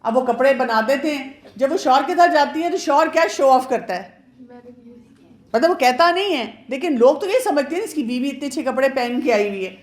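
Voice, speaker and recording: A woman's voice: high-pitched, lively intonation. A woman pediatrician giving a chatty, advising marriage awareness talk to women, mixing in English words. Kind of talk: informal lecture to women. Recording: roomy echo.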